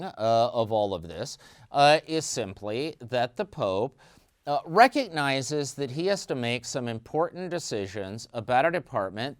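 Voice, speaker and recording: A middle-aged man giving measured news commentary, explaining church events with frequent "uh" fillers. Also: mid-range voice, dry recording, studio quality. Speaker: news analyst.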